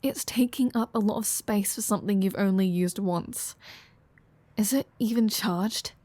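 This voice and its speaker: A woman's voice: mid-range voice, normal speed, darkish tone, no echo, close to an everyday voice. A woman playing a flirty, sardonic female vampire in an audio roleplay, teasing the listener with dry sarcasm.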